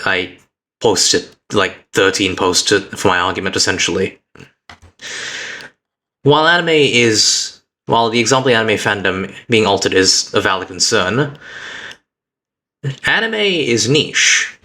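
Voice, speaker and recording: Earnest low-voiced man, bright tone. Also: animated. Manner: earnest, reflective, uneven pace with halting restarts. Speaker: VTuber streamer. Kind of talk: heartfelt personal speech to stream chat.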